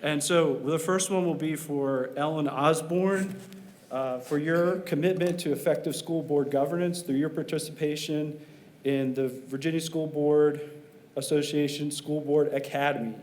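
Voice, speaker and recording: A man's voice: a little high, steady tone, normal speed, a little mellow. Man reading awards at a meeting. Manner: reads names with many um and uh fillers. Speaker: superintendent. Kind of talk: formal award presentation.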